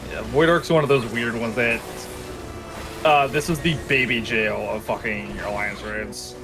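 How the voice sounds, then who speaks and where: Co-player, male, mid-pitched voice, blunt dry delivery over clear game music. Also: fairly even intonation, measured pace. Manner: dry, blunt, swears casually. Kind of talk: casual gameplay chat.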